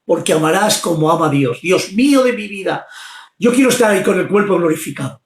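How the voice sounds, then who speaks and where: A man preaching fervently, often shouting his exclamations. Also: sits high, animated, brisk, echoey room. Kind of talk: impassioned preaching.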